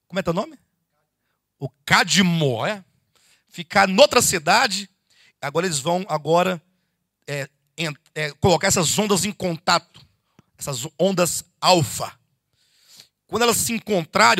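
A lively, high-pitched male preacher from Brazil, his voice gravelly yet bright and cutting. He teaches his congregation in a chatty sermon, swooping up and down as he throws out one rhetorical question after another. The recording is close and dry. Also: no room sound. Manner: animated, rhetorical questions, addresses listeners as "queridos". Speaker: bishop teaching a Bible study. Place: church meeting hall.

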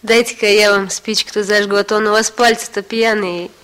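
A woman's voice: mid-range voice, level tone, brisk, background noise, natural voice. An actress playing a kind, curious woman who coaxes stories out of her guest, in 1960s radio drama style.

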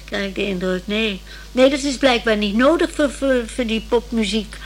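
A woman's voice: on the high side, moderate pace, slight background noise, lightly acted. A woman playing a chatty, old-fashioned older lady in a radio play, rambling hesitantly and romantically about young people. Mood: musing, hesitant. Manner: hesitant, rambling, sighing over modern youth. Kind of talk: naturalistic radio play dialogue.

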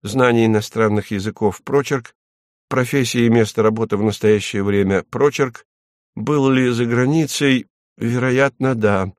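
A man voicing a timid, tender-hearted male commandant who speaks softly and hesitantly. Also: mid-range voice, a little slow, dry recording, studio quality, lightly acted. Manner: soft and hesitant.

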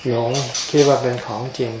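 A man giving an informal Buddhist sermon as a monk, in a low-key murmur, with short phrases and pauses. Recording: echoey, dull lo-fi, noisy with insects.

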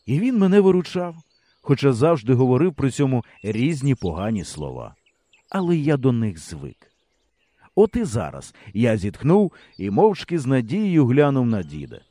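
A man reading an audiobook in an expressive storyteller's way. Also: medium pitch, normal speed, no room sound. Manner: lively storyteller's delivery. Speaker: audiobook narrator.

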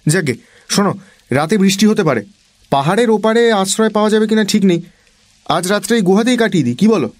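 Storybook companion: upbeat young man, lively, casual, reassuring, voiced by a male narrator. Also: high-pitched, voice pushed up. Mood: easygoing. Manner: brisk, easygoing, reassuring. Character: cheerful practical young male traveller. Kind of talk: audiobook character voice.

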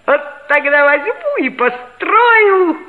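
A woman's voice: extremely high pitch, big pitch swings, slow pace, heavily acted. A woman playing a chatty, teasing red-haired schoolboy who narrates, in 1960s radio drama style. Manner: teasing, needling questions. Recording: tinny old 1960s radio recording.

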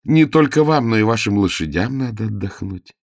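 A man's voice: fairly low pitch, lively intonation, moderate pace, no room sound, clean studio sound, voice pushed up. A man voicing a beautiful, melodious noble lady in a storybook reading, sweet-sounding but cruel underneath. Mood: sweetly coaxing. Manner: sing-song and coaxing. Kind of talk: audiobook character reading.

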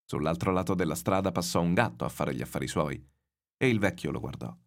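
A man reading a novel aloud in measured, expressive literary narration. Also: deep voice.

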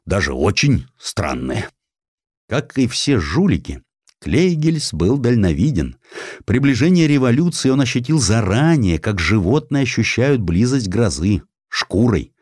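A man's voice: medium pitch, very animated, unhurried, a little mellow, slightly rough, no room sound, clean studio sound. A man narrating historical sketches as an audiobook, with wry, theatrical expression. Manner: wry, theatrical storytelling with acted quotes.

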